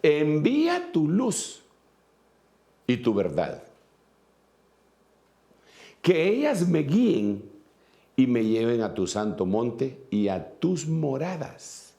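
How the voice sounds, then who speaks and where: A man's voice: a little high, very animated, very slow, creaky, pauses often, dark tone. A man from Guatemala with a Guatemalan Spanish accent, preaching an earnest sermon as an apostle, repeating phrases for emphasis.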